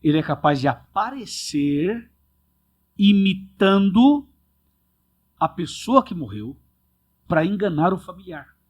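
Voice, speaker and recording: A man's voice: high voice, big pitch swings, slow, long pauses. A man, a pastor hosting a podcast, explaining Bible teaching in an earnest, emphatic way full of rhetorical questions.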